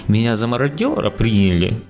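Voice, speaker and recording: A man voicing a boastful, roguish talking black cat in an audiobook, with a high, squeaky, wheedling theatrical whine. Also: sing-song, a little fast, a little mellow, faint music behind, lightly acted. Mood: excited. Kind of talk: audiobook character voice.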